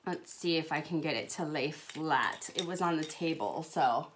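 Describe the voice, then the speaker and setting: A woman's voice: deep voice, moderate pace, noisy background. A woman in her thirties from Hawaii, chatting through a live jewelry sales show with many ums, recorded on a phone in a small indoor room. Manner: chatty, many ums, upbeat product talk. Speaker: jewelry seller.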